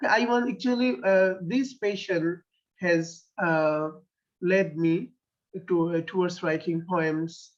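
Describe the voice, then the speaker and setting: A man with a Bangladeshi accent, a poet whose first language is Bengali, answers interview questions in a halting way. He pauses often and restarts his sentences. The recording sounds dull and lo-fi. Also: high-pitched, steady tone. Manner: hesitant, many fillers and restarts.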